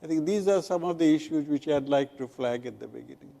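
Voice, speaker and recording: Brief: male panelist, mellow and slightly raised pitch, measured delivery, echoing conference hall. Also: creaky. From India. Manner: measured, precise reasoning. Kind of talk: panel discussion. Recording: long hall reverb.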